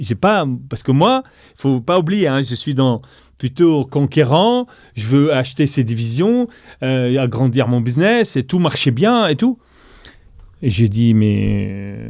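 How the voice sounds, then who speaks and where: A middle-aged man being interviewed, telling a business story in a lively way and acting out the dialogue he quotes. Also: medium pitch, gravelly, dry recording, studio quality. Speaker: guest entrepreneur.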